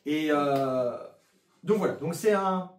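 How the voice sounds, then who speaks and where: A man's voice: on the high side, slow. A man hosting a casual Christian youth show, chatting with many fillers and reading Scripture aloud. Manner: animated, hesitant with many fillers. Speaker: youth ministry host. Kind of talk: casual chat and Bible reading. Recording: roomy sound from a distance.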